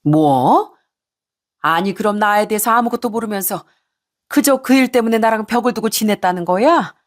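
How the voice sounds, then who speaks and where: A woman's voice: medium pitch, normal speed, voice pushed up, close to an everyday voice. A woman doing a hurt, reproachful mother-in-law. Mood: indignant. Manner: reproachful, pleading questions. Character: hurt indignant Korean mother-in-law, 60s.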